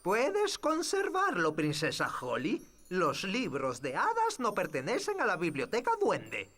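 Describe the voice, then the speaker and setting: An actor voicing a stern, sensible old elf in a children's cartoon, pedantic and measured, in Latin American Spanish. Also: mid-range voice, wildly swooping pitch. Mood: officious. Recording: music behind.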